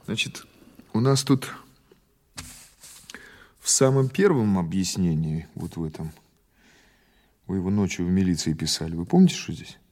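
Police investigator, audio drama: rough husky male voice, lowish, conversational and probing, patient but insistent. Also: mellow. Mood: methodical, pressing. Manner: halting, conversational, insistent questioning. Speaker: actor in an audio play. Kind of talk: naturalistic audio drama dialogue.

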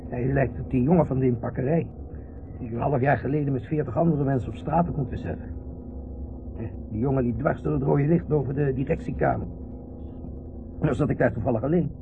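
Muffled radio-play actor as a grumbling company boss. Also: male voice, mid-range voice, natural voice. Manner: grumbling, curt, sardonic. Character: irritable, gloomy company director, husband driving. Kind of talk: Dutch radio play acting. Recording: muffled, noisy old radio play recording.

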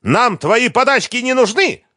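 A shrill, furious ex-wife in an audiobook, her voice pushed far up and swinging wildly as she screams accusations. The reading sounds dry and close, with no room around it. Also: animated, a little slow, sharp tone, no echo, full character voice. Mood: screaming fury. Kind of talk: audiobook character voice.

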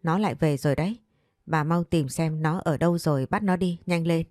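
A woman's voice: low-pitched, fairly quick, no echo, clean studio sound, lightly acted. A woman voicing a frightened older woman who nags and urges others to hurry. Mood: anxious. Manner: anxious and sharp-tongued.

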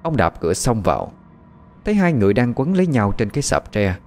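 A man's voice: on the low side, very animated, brisk, darkish tone, faint music behind. A man narrating a horror audio story in a dramatic storytelling manner.

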